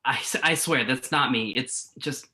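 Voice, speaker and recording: A man acting in a play reading as a blunt yet apologetic magazine journalist, speaking a little haltingly. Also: mid-range voice, bright, forceful tone. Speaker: actor in a virtual staged reading.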